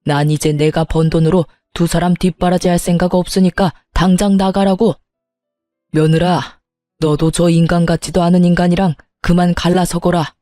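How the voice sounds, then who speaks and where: A stern, commanding father-in-law from an audio storybook, barking orders, read by a woman. The sound is mellow and dark, close and dry. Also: on the low side, flat delivery, normal speed, no echo, soft background music, lightly acted.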